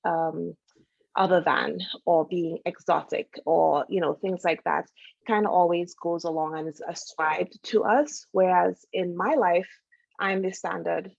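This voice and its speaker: A woman's voice: lowish voice, unhurried, gravelly, no room sound, muffled recording. A middle-aged woman from Trinidad and Tobago, a doctor and founder, talking casually as a podcast guest with many "you know" fillers. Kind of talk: casual interview conversation.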